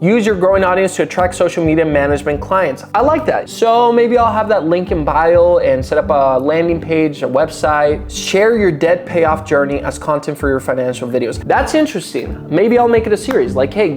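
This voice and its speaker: A man's voice: a little high, darkish tone. A man in his late twenties talking casually in a vlog, reading tips aloud and joking with a lot of swearing. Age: 20s. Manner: profane, joking, self-deprecating. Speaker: vlogger.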